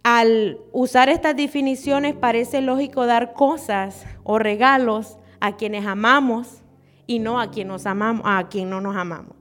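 A woman's voice: a little high, steady tone, a little slow, faint music behind. A woman in her twenties from Honduras, giving an earnest, slightly nervous sermon and prayer in a church. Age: 20s. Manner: earnest, a little nervous, frequent "¿verdad?". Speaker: church speaker.

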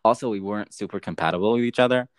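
A young man chatting casually and telling a story, with lively, swearing storytelling and frequent laughs. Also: on the low side, racing, smooth, no echo, studio quality.

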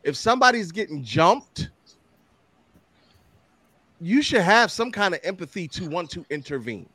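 Bright-voiced male podcast host. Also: high-pitched, sing-song, unhurried, slightly rough, no room sound. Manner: loose, profane banter. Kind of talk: casual podcast chat.

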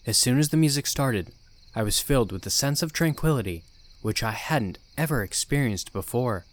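A man narrating a first-person horror story as the podcast's narrator, in a calm, even telling. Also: medium pitch.

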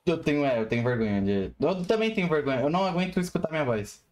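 A man's voice: on the high side, lively intonation, fast, a little mellow. A man with a Brazilian Portuguese accent hosting a casual, slangy chat. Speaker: host of a drawing chat show.

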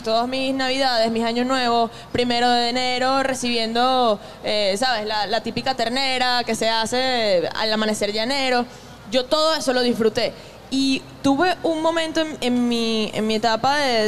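A woman's voice: on the high side, fairly even intonation, moderate pace. A young woman with a Venezuelan accent speaks as a podcast guest. She is chatty and thoughtful, often restarting her sentences. Faint background noise sits under her voice. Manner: chatty, reflective, many restarts. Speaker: guest musician, maraca player. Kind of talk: casual conversation.

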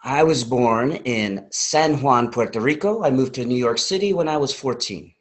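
A man's voice: mid-range voice, expressive, normal speed, natural voice. A man playing a wry, teasing forty-year-old charmer. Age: 40s. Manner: wry, teasing, lightly joking. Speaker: interviewee.

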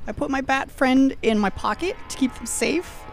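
Woman playing a high-pitched, needy, odd little boy. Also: gravelly, soft background music, rough recording. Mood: crooning, eager. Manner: plaintive, drawn-out, repeating pleas. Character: frail, lonely, odd, friendless little boy, eager and needy. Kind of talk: improvised tabletop roleplay audio drama.

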